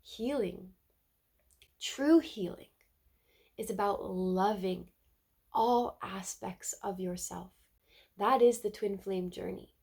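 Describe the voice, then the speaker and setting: A woman's voice: mid-range voice, slow, long pauses, a little mellow, husky. A woman with a stuffy cold giving an earnest, casual spiritual card reading, often repeating words and adding "right?". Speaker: spiritual tarot reader.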